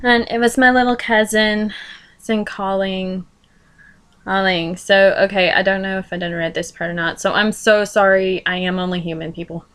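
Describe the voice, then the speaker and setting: A woman's voice: medium pitch, fairly even intonation, normal speed, a bit bright, smooth. A woman reading fan fiction aloud in a casual style, breaking in with informal, jokey asides and swearing. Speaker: fan fiction reader and commentator. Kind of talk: casual read-aloud with running commentary.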